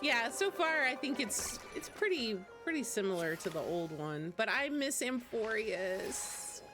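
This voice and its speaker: Speaking at a measured pace with a fairly high pitch and big swings in tone, this streamer plays a game while bantering with viewers and replying to them. The game's music can be heard in the background.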